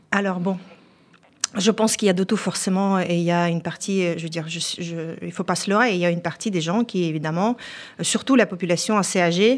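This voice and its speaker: A woman with a fairly low pitch speaks at a moderate pace with fairly even intonation, on a very clean recording with a silent background. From Donbass, eastern Ukraine. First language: Ukrainian or Russian (speaking French). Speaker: volunteer aid organiser. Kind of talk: radio interview. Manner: halting, many repeated words.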